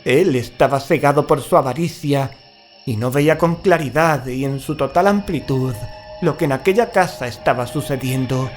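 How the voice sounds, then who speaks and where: An actor playing a frightened, cautious paranormal investigator in a horror audio drama, grave and dramatic. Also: male voice, mid-range voice, moderate pace, soft background music, lightly acted. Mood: dread. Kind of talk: first-person horror audio drama narration and acting.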